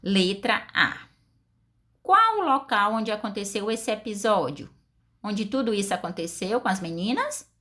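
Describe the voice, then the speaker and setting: Woman, teacher, Brazilian Portuguese accent, slow, expressive, questioning pupils. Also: medium pitch. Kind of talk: recorded class lesson.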